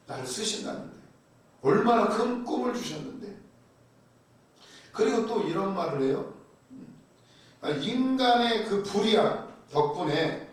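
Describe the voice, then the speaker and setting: A pastor preaching a sermon. He is animated and keeps putting rhetorical questions to his congregation. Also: high voice. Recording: very echoey hall, mic far off.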